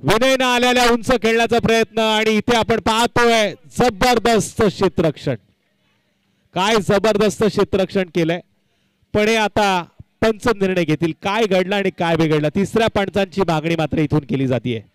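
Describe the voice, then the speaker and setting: Male cricket commentator, smooth resonant voice pitched a little high, emphatic live delivery. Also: moderate pace, no echo, low-quality recording. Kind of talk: live local tournament cricket commentary with announcements.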